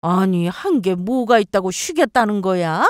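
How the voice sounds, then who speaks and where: A woman voicing a bossy, spiteful older mother-in-law who yells and scolds in a shrill voice. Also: lively intonation, normal speed, dry recording, studio quality, natural voice. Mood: scornful.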